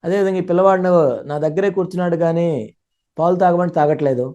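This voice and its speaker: A man interpreting a sermon live, speaking fluently and running his sentences together quickly. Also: sits high, steady tone, mellow, clean tone.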